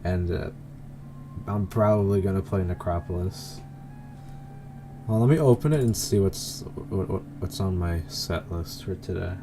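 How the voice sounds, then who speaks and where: A man's voice: deep voice, measured pace, noisy background. A man chatting casually as he streams a game, rambling and often repeating himself. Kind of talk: casual livestream chat.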